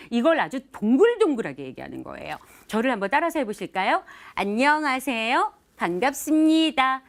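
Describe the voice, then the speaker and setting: Lively, high-voiced woman lecturing on TV. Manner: lively, sing-song delivery with acted example phrases. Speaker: lecturer on communication. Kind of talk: television lecture. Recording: TV studio lecture.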